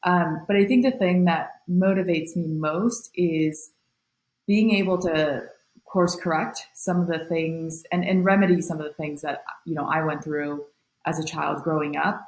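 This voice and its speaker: A woman's voice: low voice, a little mellow, roomy sound, rough recording. A young woman from Taiwan, a nonprofit founder, talking reflectively as a podcast guest with many fillers. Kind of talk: podcast interview.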